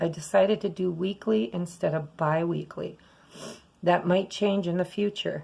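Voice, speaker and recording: A soft-spoken woman's dark, mellow voice with vocal fry. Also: very clean recording, silent background. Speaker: tarot reader. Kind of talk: tarot reading vlog. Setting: at home.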